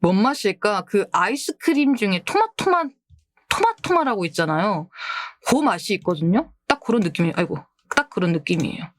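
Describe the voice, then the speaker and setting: A woman's voice: medium pitch, very animated, moderate pace, dry recording. A woman VTuber who streams about books, chatting casually and politely with a giggly manner as she reads out viewer posts. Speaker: book-themed VTuber streamer. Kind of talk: casual livestream chat, reading viewer posts.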